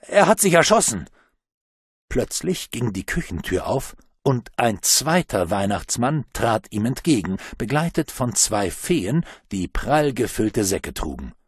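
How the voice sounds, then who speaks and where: A man narrating an audiobook in a lively storytelling manner. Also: lowish voice, unhurried, hardly any pauses, husky, dry recording. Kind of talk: scripted narration.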